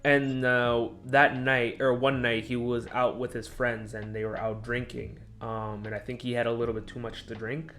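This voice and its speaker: Young man telling a story haltingly. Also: mid-range voice, little pitch movement, a bit bright. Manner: halting, disjointed storytelling with many restarts. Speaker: podcast guest. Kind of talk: casual conversation.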